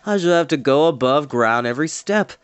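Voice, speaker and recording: A man plays a gloomy little fairy creature from a fantasy storybook. He complains mournfully, drawing out words in weary sighs, with pitch that rises and falls a lot. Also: lively intonation, clear, resonant tone, no room sound, close to an everyday voice. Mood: weary, complaining. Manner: drawn-out sighing, mournful, hesitant. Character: melancholy, whining, fretful fairy-folk creature, endlessly gloomy.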